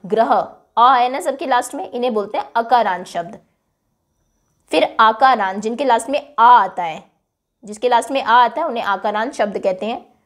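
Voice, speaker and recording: Woman, teacher, classroom lesson, patient, repeats words then explains, slightly high voice, mixes in English. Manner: patient, repeats each word then gives its meaning.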